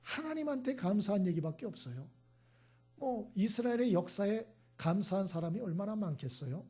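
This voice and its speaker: A middle-aged man preaches a sermon in a husky voice. His pitch swings widely as he asks rhetorical questions. He now and then drops to a whisper to make a point. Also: animated, normal speed, darkish tone. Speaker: pastor.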